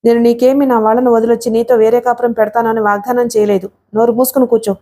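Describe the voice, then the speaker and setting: A woman reading the part of an angry young husband caught between his wife and his mother, speaking fast and heated. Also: fairly high pitch, flat delivery, natural voice. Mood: furious. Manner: shouting in frustration, rapid.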